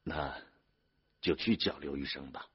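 A man voicing a tired older peasant who speaks softly and hesitantly. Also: rumbling low, a little slow, husky, full character voice. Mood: resigned. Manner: hesitant, soft-spoken. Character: weary older peasant father, resigned. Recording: dull lo-fi audio.

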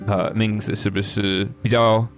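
A man's voice: lowish voice, little pitch movement, unhurried. A man co-hosting a casual chat, joking lightly, with hesitant phrasing and repeated little confirmations. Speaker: podcast co-host. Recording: guitar music behind the voice.

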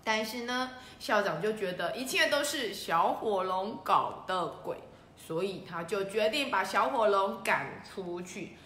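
A woman narrating a children's story in an animated, gentle way, talking directly to the young listeners. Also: mid-range voice, a little slow. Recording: roomy echo, faint room noise.

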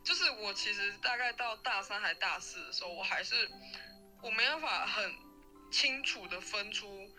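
Very bright young Taiwanese woman guest. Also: mid-range voice, normal speed, faint music behind, poor audio. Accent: Taiwanese Mandarin. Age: young adult. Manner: lively, laughing storyteller. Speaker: guest, university student. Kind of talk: casual interview chat.

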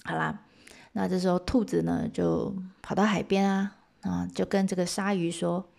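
Brief: a female storyteller, casual and lively, chatting her way through a legend. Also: on the low side, normal speed, vocal fry. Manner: chatty, lively, asides to listeners.

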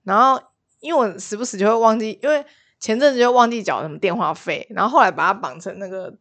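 A young woman from Taiwan chats casually on a podcast and tosses in wry, teasing remarks. She speaks quickly, at an ordinary pitch for a woman. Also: animated, a bit bright. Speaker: podcast co-host. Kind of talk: casual chat.

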